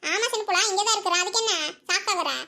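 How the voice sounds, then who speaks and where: A woman's voice: very high-pitched, racing, bright, forceful tone, heavily acted. A woman voicing chatty village women in a cartoon, fussing, gossiping and scolding. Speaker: cartoon character.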